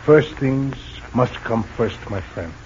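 Formal young resistance leader, courteous, dull old radio sound, faint hiss. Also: male voice, medium pitch, lively intonation, slow, darkish tone. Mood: earnest. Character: polite Dutch underground leader, young man. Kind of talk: 1940s radio acting.

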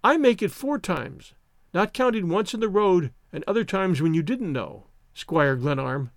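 A man's voice: high-pitched, animated, a little slow, gravelly, no room sound, clean studio sound, full character voice. A man voicing a coquettish, mocking teenage schoolgirl with an arch, melodramatic manner, as in an audiobook. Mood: theatrical, haughty. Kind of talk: audiobook character dialogue.

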